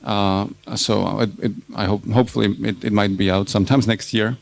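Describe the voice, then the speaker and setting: A man's voice: on the low side, steady tone, normal speed, vocal fry. A man in his thirties from the Republic, speaking. He gives an academic conference talk and often stops to repeat words while he searches for the next one. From Czech Republic. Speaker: university lecturer presenting research.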